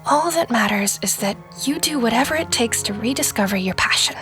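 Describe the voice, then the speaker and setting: A woman acts out a sixteen-year-old girl in an audio drama, with a very high, youthful voice. She is earnest, idealistic and outspoken, pushing her point hard. Faint music sits behind her. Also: animated, fairly quick, natural voice. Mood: pushy, dismayed. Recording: music under the voice.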